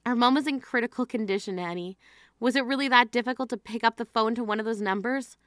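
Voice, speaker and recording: A woman's voice: on the high side, fast, fairly bright tone, no echo, studio quality, natural voice. A young woman playing an exasperated, grieving sister who scolds her sibling in a scripted drama. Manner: scolding, indignant.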